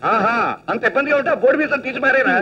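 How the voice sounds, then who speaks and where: A rapid, sarcastic grumpy husband. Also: male voice, very high-pitched, bright, forceful tone, breathy edge, heavily acted. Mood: grumbling. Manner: grumbling, sarcastic, complaining. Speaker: husband of the aunt. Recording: distant, dull lo-fi film soundtrack.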